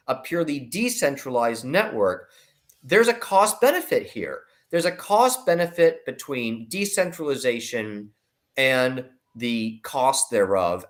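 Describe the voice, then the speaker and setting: A man giving conversational financial commentary as an analyst, emphatic and deliberate, repeating words as he builds his points. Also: medium pitch, a bit bright. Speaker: investment analyst, guest commentator.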